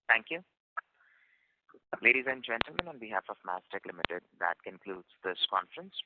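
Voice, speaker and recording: A man with a fairly low voice speaks as the operator of a conference call. His lines are polite, formal and scripted. He comes through a narrow, phone-like band. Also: big pitch swings, normal speed, very noisy. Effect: conference call phone line. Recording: tinny phone line.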